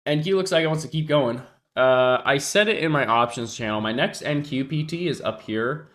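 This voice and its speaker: Medium in pitch, a bit bright and at normal speed, this man's voice belongs to a trader chatting loosely on his stream. He's stuffed up and sniffling, talks to his chat, reasons out loud and tends to trail off.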